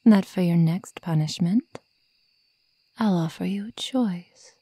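A woman's voice: on the low side, mellow, no echo, heavily acted. Woman playing a sadistic whispering werewolf girl. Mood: soft menace. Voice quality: breathy. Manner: whispered, slow, menacing, mockingly sweet. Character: sadistic female werewolf toying with human prey. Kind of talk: ASMR roleplay.

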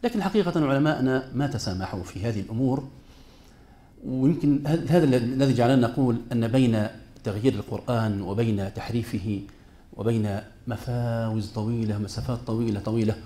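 This Quran recitation teacher has a warm, medium-pitched voice and talks a little fast. He moves between formal Arabic and colloquial asides, speaking with emphasis and asking his class rhetorical questions.

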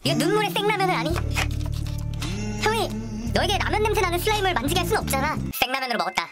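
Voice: very high voice, very animated, very fast, over loud music. A performer playing a cocky, scheming young boot-camp recruit in a comedy skit, by turns boastful and stiffly polite. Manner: stammering politeness to superiors, boastful with friend. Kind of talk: comedic skit role-play.

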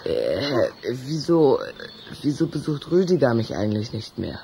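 Curious schoolboy: unsure, stammering questioner with lively, swooping intonation, for children's audio drama. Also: male voice, medium pitch, unhurried, vocal fry, slight background noise. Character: hesitant, curious schoolboy, friend of vampires. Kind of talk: children's radio play acting.

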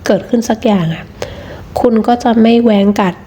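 A woman giving a casual tarot reading, talking in a gentle, chatty way with frequent restarts. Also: a little high, normal speed, breathy edge. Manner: chatty, repeats words and restarts often. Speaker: tarot reader.

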